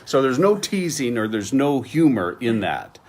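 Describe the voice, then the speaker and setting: An American man, middle-aged, teaching a slang lesson with slow, patient explanations and examples. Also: medium pitch, sing-song, darkish tone, a little hiss or hum.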